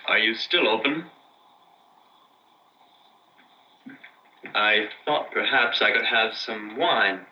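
An actor playing a pleading wounded stranger. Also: male voice, fairly low pitch, unhurried, distant mic, natural voice. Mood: weary. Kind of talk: 1960s TV drama acting. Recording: dull old TV audio with faint hiss.

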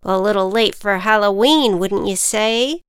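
A woman's voice: medium pitch, measured pace, clean tone, no room sound, studio quality, close to an everyday voice. A woman voicing a sassy, pushy little ant who teases and coaxes, in a read-aloud storybook. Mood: needling. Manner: sassy, needling, persuasive.

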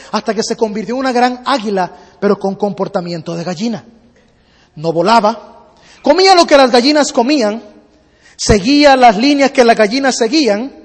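High-voiced male preacher in a reverberant hall. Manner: rhythmic repetition, building slowly. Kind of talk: sermon with storytelling.

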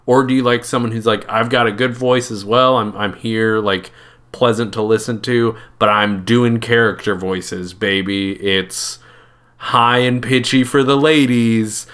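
A young man co-hosting a podcast with his mother, chatting playfully and joking. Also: fairly low pitch. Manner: playful, jokey, animated asides. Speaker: podcast co-host. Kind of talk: casual chat.

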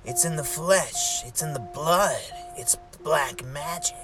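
A woman's voice: low-pitched, slow, music in the background. A woman playing a bossy young friend who leads an occult game in a horror audio drama. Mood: commanding, eerie.

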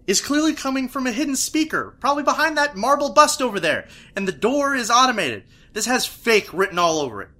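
A woman playing a skeptical young character who is sarcastic and dismissive, quick to explain everything away. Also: on the high side, very animated, pushed and bright, full character voice. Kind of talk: audio drama acting.

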